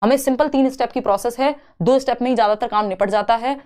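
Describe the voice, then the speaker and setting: A young woman teaching an exam-prep class with a fairly high voice. She explains each point step by step, mixing in English terms, and keeps asking her listeners questions that she then answers herself. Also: fast, darkish tone. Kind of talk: online exam-prep lecture.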